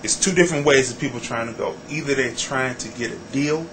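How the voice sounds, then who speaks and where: A man's voice: medium pitch, fast talker, background noise. A middle-aged American man speaking casually and emphatically in an interview, with informal, street-wise phrasing. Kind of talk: casual opinionated interview talk.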